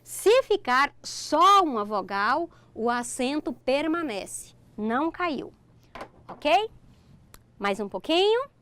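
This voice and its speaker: A woman's voice: high-pitched, big pitch swings, takes it slowly, a bit bright, slight background noise. A middle-aged Brazilian woman with a Brazilian Portuguese accent, teaching a recorded online grammar lesson. She explains step by step and keeps checking in with "ok?".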